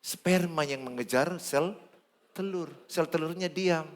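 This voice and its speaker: A man, preaching a sermon in church in an animated, joking way. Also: a little high, measured pace. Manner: animated, joking, acts out dialogue. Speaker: pastor.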